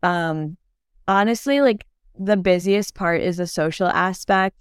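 A woman's voice: lowish voice, unhurried, clean tone, no room sound, studio quality. A young woman, born in Turkey and raised in New York, chatting as a dental student guest on a podcast, full of "like" and "um". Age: young adult. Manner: chatty, lots of "like" and "um" fillers. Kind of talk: casual podcast interview.

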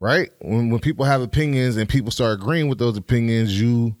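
A man's voice: mid-range voice, brisk, a little mellow, dry recording, studio quality. A man with an African American New York accent in casual podcast chat, slangy, profane and outspoken. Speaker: podcast co-host.

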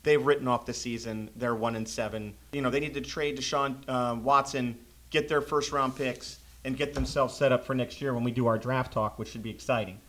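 A man's voice: mid-range voice, fairly even intonation, fairly quick, a bit bright. A man hosting a sports podcast, talking casually and opinionated, working himself up into heated rants. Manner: passionate, ranting, opinionated. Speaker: podcast host.

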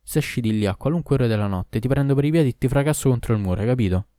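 Man voicing menacing ifrit, gruff loud threats, audiobook, dark voice. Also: medium pitch, racing, no echo, clean studio sound, voice pushed up, natural voice. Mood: threatening. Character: menacing male ifrit who was a bull. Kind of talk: audiobook reading.

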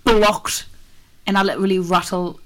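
A woman's voice: mid-range voice, little pitch movement, moderate pace. Woman, podcast co-host, casual banter, giggly, teasing.

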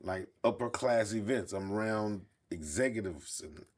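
Casting: male talk co-host, African American English, lower-pitched, blunt, profane, streetwise storyteller in casual chat. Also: unhurried. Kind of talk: casual conversation.

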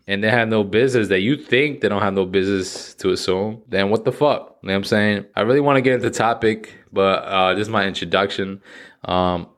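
A man in his thirties talking casually and profanely to his audience in an animated, slangy rant. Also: lowish voice. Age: 30s. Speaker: vlogger. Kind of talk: casual monologue to camera.

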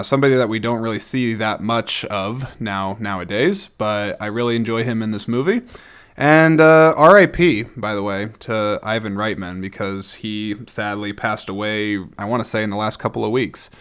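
A man hosting a casual solo vlog, rambling along in a chatty, enthusiastic way as he gives his opinions. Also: lowish voice. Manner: enthusiastic, chatty, frequent throat-clearing. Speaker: host reviewing own movie collection.

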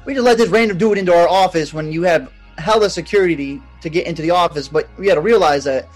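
A man's voice: sits high, fast talker, faint music behind. A man co-hosting a podcast, telling a story in loose, slangy, rambling casual chat full of fillers. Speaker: podcast co-host.

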